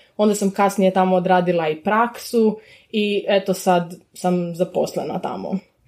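A woman speaks in a normal speaking voice at medium pitch and a moderate pace, with fairly even intonation. The recording is very clean, with a silent background. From Croatia, Opatija. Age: 20s. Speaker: civil society worker. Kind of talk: interview.

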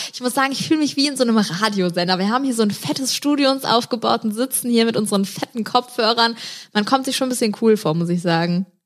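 A woman talks very fast in a fairly high voice with an animated tone and ordinary pitch variation. There is noticeable background noise. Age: 20s. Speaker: YouTuber and podcast co-host. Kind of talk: casual chat. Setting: studio.

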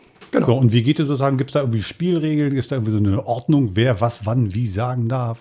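Speaking at a very fast pace, a man keeps to medium pitch. His pitch varies in an ordinary way. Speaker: podcast host. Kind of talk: interview.

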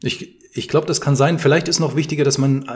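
At a fairly quick pace, a man speaks at medium pitch, somewhat breathy, with fairly even intonation. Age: 30s. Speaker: fathers' coach. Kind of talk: casual interview.

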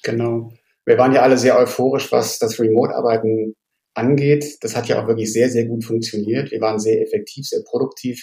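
A man's somewhat breathy, medium-pitched voice with a dark, mellow tone, monotone, flat intonation and a fairly quick pace. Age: 50s. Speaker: company CEO. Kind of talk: interview. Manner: hesitant, many filler sounds.

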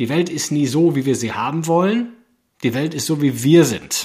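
A man with an unremarkable speaking voice talks at a moderate pace and a fairly high pitch. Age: 40s. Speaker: podcast host, entrepreneur and father. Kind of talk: personal monologue. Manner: casual, with fillers and self-corrections.

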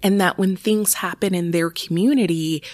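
With an American accent, the speaker talks at a moderate pace with ordinary pitch variation. The sound is dry and close with no echo, though background noise is noticeable. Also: woman. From Ohio, US, after childhood in Germany. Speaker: corporate diversity director. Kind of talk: interview conversation. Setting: in person at a hotel during a conference.

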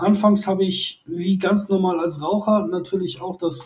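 With a high pitch, a man speaks using ordinary pitch variation. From Allgäu, Bavaria, Germany. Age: 50s. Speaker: medical cannabis patient and advisor. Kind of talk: interview.

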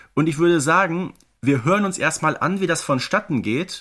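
With vocal fry and lively intonation, a man talks at a moderate pace in a fairly high voice. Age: 30s. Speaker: podcast co-host. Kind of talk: casual chat. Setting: remote recording.

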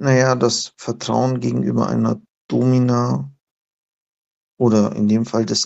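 A man speaks at a very slow pace. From southern Germany. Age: 20s. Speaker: podcast guest. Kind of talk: interview answers.

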